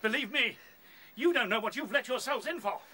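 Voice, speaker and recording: A man's voice: very high-pitched, expressive, brisk, noisy background. A man acting in a radio play as a stern rabbit captain, officious and threatening.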